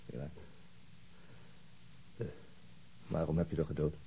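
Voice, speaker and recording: An actor in a radio drama playing a grave, weary police chief inspector, blunt and measured. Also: male voice, rumbling low, flat delivery, dark tone, slight background noise, full character voice. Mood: grave, accusing.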